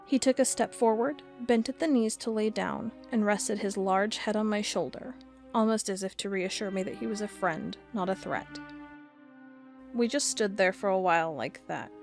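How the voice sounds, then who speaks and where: Lady as intense monster investigator gal, expressive audio drama delivery, faint music behind. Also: mid-range voice, natural voice. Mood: tender, reflective. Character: driven female cryptid investigator, sardonic, intense, stubborn. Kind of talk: audio drama narration and dialogue.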